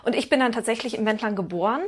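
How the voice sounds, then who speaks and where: A woman's voice: a little high, very fast. A woman in her thirties from Germany, a guest on a podcast, talking in a chatty, casual way and correcting herself as she goes. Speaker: guest, founder of a musicians' network. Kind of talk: conversational interview.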